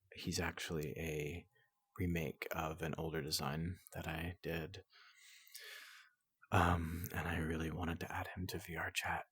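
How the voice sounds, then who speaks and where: A man speaking softly and hesitantly in an unscripted, hushed and slightly apologetic sign-off as an ASMR creator. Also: low voice, breathy edge, dry recording. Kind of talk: soft-spoken unscripted ASMR outro. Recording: noticeable background noise.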